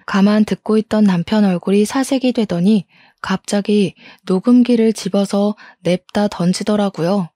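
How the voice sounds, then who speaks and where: A woman's voice: medium pitch, moderate pace, mellow, dry recording, clean studio sound. A woman narrating a personal story in the first person, in a confiding, matter-of-fact way.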